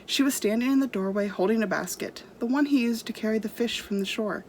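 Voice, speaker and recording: A woman's voice: fairly high pitch, a little fast, a little mellow, slight background noise, rough recording. A woman storyteller reading a storybook aloud to children expressively.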